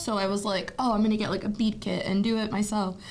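The delivery is fairly quick. Noticeable noise sits in the background. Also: woman. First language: Spanish. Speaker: podcast host. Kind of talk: casual chat.

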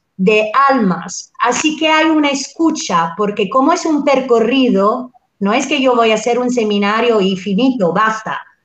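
A woman's high voice with an Italian accent, lively intonation and a fairly slow pace. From Sicily, Italy. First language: Italian (speaking Spanish). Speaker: actress and dancer. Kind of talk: interview. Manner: halting.

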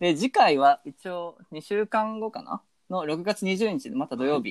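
Delivered at a fairly slow pace, the voice moves in very wide pitch swings, with a dry, close sound and no echo. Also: man. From Japan, Ehime. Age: 20s. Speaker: university student. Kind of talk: podcast outro; casual chat. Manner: halting.

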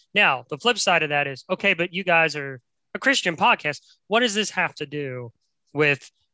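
The man's tone is bright and sharp, his pitch fairly high, his pace moderate. The sound is dry and close with no echo over a quiet background. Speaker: podcast host. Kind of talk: casual chat. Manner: joking, humorous.

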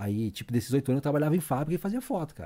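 A man's dark, mellow, somewhat breathy voice at a very fast pace with lively intonation. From Brazil, Porto Alegre (Rio Grande do Sul). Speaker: photographer. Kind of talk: casual chat.

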